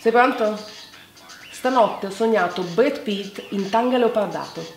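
A young woman hosts a video playing a lip-reading game in a home living room with a staircase, animated, playful and exclamatory. Her medium-pitched voice is unhurried, with faint music behind it in an echoey room with background noise.

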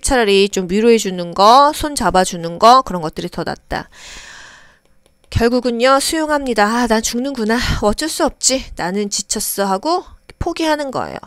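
Lively woman lecturer, dry close sound. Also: medium pitch, clean tone, no room sound. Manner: lively, acts out patient quotes. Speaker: exam prep lecturer for care workers. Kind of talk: lecture on exam questions.

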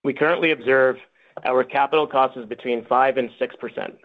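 A man reads a scripted financial report as a company executive. His pitch is medium, and the sound is narrow and phone-like, as on a conference call. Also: steady tone, brisk. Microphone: conference call line.

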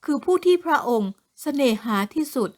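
A woman reading an audiobook puts on a spoiled, arrogant young villainess with a high, piercing voice. She shrieks and protests, loud and indignant. The voice rises far above the reader's usual register. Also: animated, very slow, full character voice. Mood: defiant. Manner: shrill, indignant, yelling. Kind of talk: audiobook character voice.

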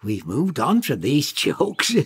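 Cartoon rowing cox, played by a man, husky, very swoopy pitch, encouraging, amused. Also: wildly swooping pitch, slow, exaggerated voice. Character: easygoing, encouraging rowing cox of pensioner crew. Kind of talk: animated comedy character acting.

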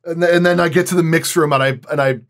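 A man talking casually as a guest sound designer, in a halting, hesitant way. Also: fairly high pitch, fairly even intonation, a bit bright. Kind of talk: casual roundtable chat.

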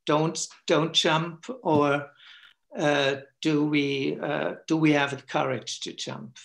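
A middle-aged man on a headset video call from a room at home, speaking haltingly with many fillers. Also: a little high, level tone, creaky. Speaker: panelist.

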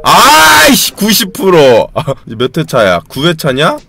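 Excitable young man yelling at a game. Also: slow, gravelly, breathy edge. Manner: excitable, yells and swears at the game; reads game text aloud in a flat lower voice. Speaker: game streamer. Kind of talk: casual gameplay commentary.

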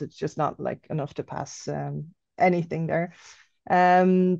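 A woman's voice: fairly low pitch, dark tone, dry recording, dull audio. A woman in her thirties from the Netherlands with an Irish accent and Dutch as her first language, talking as a guest on a video call outdoors, hesitant with many ums. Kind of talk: casual interview over video call. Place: outdoors by trees.

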